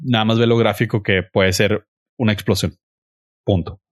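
A man's voice: fairly low pitch, fairly even intonation, moderate pace, no echo. Slangy Mexican man, dry close mic. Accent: Mexican Spanish. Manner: slangy, opinionated, insistent. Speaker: podcast host. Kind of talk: casual chat reviewing a series.

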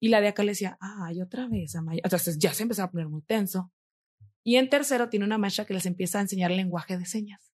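A woman, a mother telling her story in animated casual conversation. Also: medium pitch, fast.

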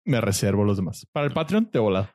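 A man's voice: fairly low pitch, big pitch swings, fast talker, darkish tone, dry recording, clean studio sound. A man with a Mexican accent, co-hosting a podcast, trading slangy, laid-back banter in a casual chat. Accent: Mexican Spanish. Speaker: podcast co-host. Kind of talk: casual chat among friends.

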